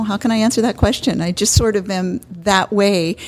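A woman speaks fairly quickly at a medium pitch, with ordinary pitch variation. Hers is an ordinary speaking voice. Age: 60s. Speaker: scientist and university professor. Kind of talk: casual interview.

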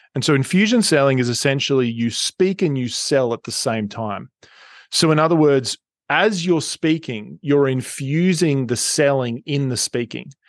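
Against a quiet background, a man with an Australian accent and a fairly high pitch speaks at a moderate pace in a dry, close sound with no echo. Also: ordinary pitch variation. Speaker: professional speaker and sales coach. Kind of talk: casual interview.

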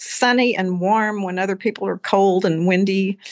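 Speaking with a slight Texan accent and fairly even intonation, a woman is heard in a dry, close sound with no echo against a quiet background. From Texas. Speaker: retiree living abroad. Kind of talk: casual interview chat.

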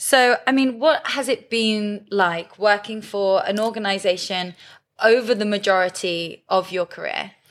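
This woman has an unremarkable speaking voice at medium pitch. She talks at a fairly slow pace with ordinary pitch variation. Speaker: podcast host. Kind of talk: interview. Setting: podcast studio.

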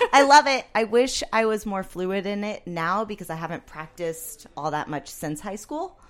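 Speaking in a Californian accent, a woman keeps a moderate pace. Her medium-pitched voice swings very widely in pitch. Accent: Californian American. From Southern California, Orange County. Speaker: special education teacher and supporters' group drummer. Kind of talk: casual chat. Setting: studio.

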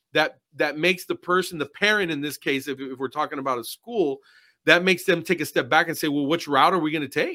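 Talking at a very fast pace with a Texas accent, a man has a fairly high pitch and a bright, sharp tone, captured in a very clean recording with a silent background and a dry, close sound with no echo. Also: ordinary pitch variation. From Texas, San Antonio. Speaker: marketing and publishing consultant. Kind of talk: interview. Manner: halting.

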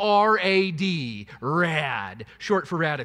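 With a bright, sharp tone, a man talks in a raised, projected voice. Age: 40s. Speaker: pastor. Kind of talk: sermon. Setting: church.

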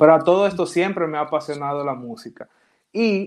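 Over a quiet background, a man uses a normal speaking voice at a fairly high pitch, with ordinary pitch variation and a moderate pace. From Dominican Republic, Santiago de los Caballeros. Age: 30s. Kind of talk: radio interview.

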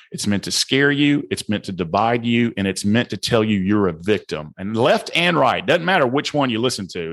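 With a Southern US accent, a man speaks at a medium pitch and moderate pace in an animated, energetic tone with very wide pitch swings. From US South. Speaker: author and speaker. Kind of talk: podcast interview, motivational talk.

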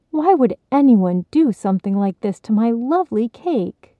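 Her pitch is fairly high, swinging very widely. The woman keeps a moderate pace. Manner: sad, mournful.

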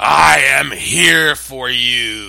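A man is speaking here. He uses a put-on character voice. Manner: demonic, menacing.

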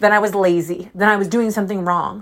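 Speaking very fast in an animated tone, a woman with a medium pitch has a slight upstate New York accent. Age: 30s. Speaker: fitness coach and podcast host. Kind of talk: solo podcast monologue, casual reflective talk. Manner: casual, chatty, animated.

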